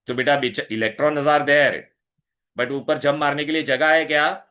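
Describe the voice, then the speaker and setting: A man with a South Asian accent tutors at a very brisk pace. He mixes English with Hindi, repeats key points and keeps firing short questions to check understanding. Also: on the high side, steady tone, sharp tone. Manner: repetitive, quizzing, checking with questions. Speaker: chemistry tutor. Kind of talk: interactive one-on-one lesson, mixing English and Hindi.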